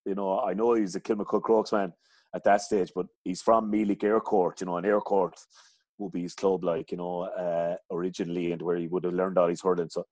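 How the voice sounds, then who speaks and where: A man's voice: sits low, level tone, a little fast, a little mellow, dry recording. A middle-aged man with a County Clare accent from the west of Ireland, telling rambling, colloquial stories in casual conversation. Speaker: interview guest, hurling coach. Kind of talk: casual chat, anecdotes.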